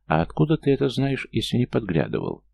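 A man reading an audiobook voices an anxious, earnest young woman in a soft, pleading way. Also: mid-range voice, huge pitch swings, fast, gravelly, husky, voice pushed up, heavily acted.

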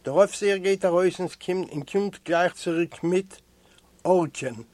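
A man from Eastern Europe reading a first-person memoir aloud in a measured storytelling way. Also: sits high, a little mellow, dry recording. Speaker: audiobook reader.

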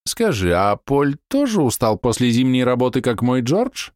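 A man voicing a calm, motherly middle-aged wife who speaks mildly and soothingly. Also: mid-range voice, moderate pace, no room sound, studio quality, pitched above the performer's own voice, natural voice. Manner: soothing, mild.

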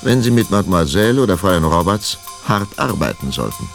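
A man narrating a children's radio play with expressive storytelling. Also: sits low, fairly quick, creaky, soft background music.

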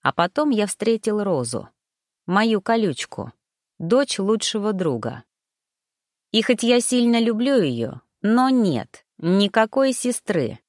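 A woman narrating a first-person story aloud, reading a gruff man's thoughts with expression. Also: mid-range voice, very animated, slow, dry recording, studio quality. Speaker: audiobook narrator.

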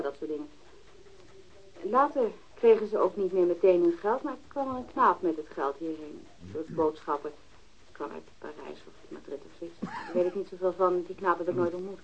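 A woman's voice: lowish voice, slight background noise. An actress playing a frank, matter-of-fact woman who uses drugs, giving testimony in a radio crime drama. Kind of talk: Dutch radio drama dialogue. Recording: dull, lo-fi archived radio recording.

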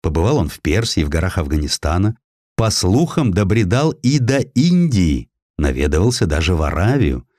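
Expressive low-voiced male storyteller, dry sound. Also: normal speed, dry recording. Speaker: audiobook narrator. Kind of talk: dramatized scripted narration of a historical sketch.

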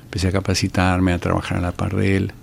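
Older Argentine man, very low gravelly voice, halting radio-interview guest, faint hum behind. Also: completely flat delivery. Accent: Argentine Spanish. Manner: hesitant, many fillers and restarts. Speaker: ministry director and guest. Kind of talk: radio interview, relaxed storytelling.

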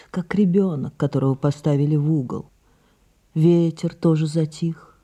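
A breathy, imperious aging diva. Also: female voice, deep voice, mellow, heavily acted. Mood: languid. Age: older. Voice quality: breathy, drifting into whispers. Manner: languid and musing, then sharply commanding. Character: aging famous actress, imperious, capricious, theatrical. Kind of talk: audio drama acting.

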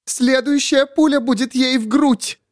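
Man doing a high shrill unstable woman, armed and jealous, shrieking and volatile, dry close audiobook sound. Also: fairly even intonation, unhurried, dry recording. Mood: screaming. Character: unhinged jealous young woman with a gun.

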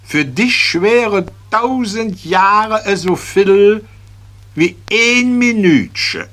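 A man voicing a sly fellow who pleads in a wheedling, drawn-out way. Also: high voice, animated, fairly bright tone, voice pushed up, heavily acted.

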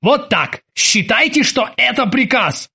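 Man doing a bossy shouting sea captain. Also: very high-pitched, animated, a little slow, gravelly, breathy edge, voice pushed up, exaggerated voice. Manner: barking orders, ironic. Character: gruff bossy male sea captain, bow-legged.

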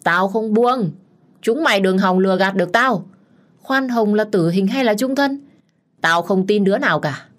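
A woman voicing a crazed, violent young man with a knife, shouting menacingly. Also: mid-range voice, normal speed, voice pushed up, lightly acted. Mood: furious.

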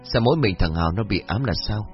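A man's voice: fairly low pitch, animated, fast talker, close to an everyday voice. A man voicing a fussy, practical older village mother who scolds her son. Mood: puzzled. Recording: dull lo-fi audio with faint music.

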